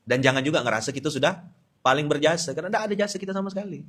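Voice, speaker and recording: A man's voice: a little high, expressive, rapid-fire, fairly bright tone. A man from Indonesia, preaching a dawn sermon with humor and Quran recitation.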